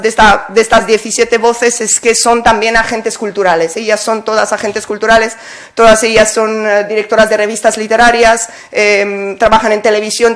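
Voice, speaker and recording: A woman's voice: fairly high pitch, fairly bright tone. A woman, an anthology editor, speaking hesitantly with many fillers on a poetry panel. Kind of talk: panel talk at a poetry event.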